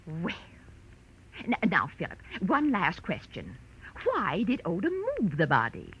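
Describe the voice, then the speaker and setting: Husky, swooping, fussy busybody spinster. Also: female voice, fairly low pitch, wildly swooping pitch, measured pace, full character voice. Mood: inquisitive. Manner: fussy, gushing, theatrical. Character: chatty, nosy, excitable spinster busybody. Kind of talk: 1940s radio comedy-drama acting. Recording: dull, band-limited 1940s radio recording.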